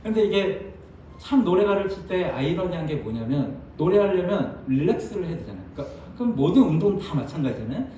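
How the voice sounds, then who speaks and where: A man preaching in a church sanctuary, his voice high yet mellow. He talks to the congregation in a lively, conversational way and bursts into loud acted-out quotes. The sound is distant and echoey, with faint room noise behind. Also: fast. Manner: lively, acts out quoted lines with sudden loud jumps and laughs. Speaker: pastor. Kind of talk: sermon.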